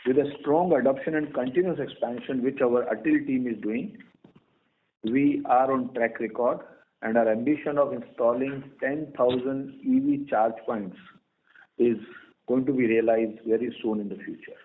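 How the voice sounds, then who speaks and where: A man with an Indian accent giving a prepared company earnings presentation as an executive, formally and in short, measured phrases. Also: medium pitch, a little hiss or hum. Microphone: phone or conference call line. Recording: tinny phone-line conference call audio.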